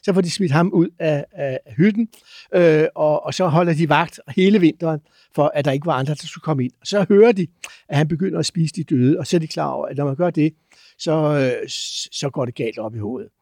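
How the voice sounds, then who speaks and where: A man telling adventure stories as a guest, lively but halting, with many filler sounds. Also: a little high, dry recording, clean studio sound. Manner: lively, acts out chants and sounds. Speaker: guest explorer. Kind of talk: animated storytelling.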